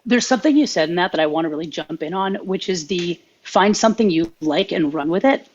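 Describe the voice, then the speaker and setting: A young woman co-hosts a podcast and gives earnest, animated advice. Her voice is husky and breathy. The sound is dull and lo-fi, like a remote mic. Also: on the low side, fairly quick. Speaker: podcast co-host. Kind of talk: casual chat.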